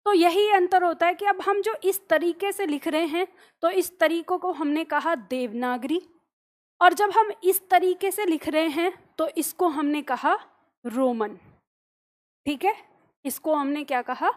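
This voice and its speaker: A woman with a high voice leads a grammar lesson a little slowly, patiently walking through simple everyday examples. Her habit is to quiz the class and then answer her own questions.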